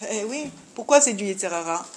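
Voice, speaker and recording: A woman's voice: mid-range voice, expressive, brisk. A woman giving an informal Jewish religious lesson to women, didactic, mixing Hebrew terms into her French and often checking that listeners follow. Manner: didactic, frequent check-in questions. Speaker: religious teacher.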